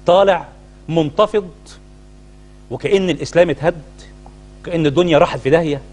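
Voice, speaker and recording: A man's voice: a little high, fast talker, darkish tone. A middle-aged man with an Egyptian accent, a Muslim cleric co-hosting a talk show, firing off indignant rhetorical questions. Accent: Egyptian Arabic. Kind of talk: heated studio talk-show commentary.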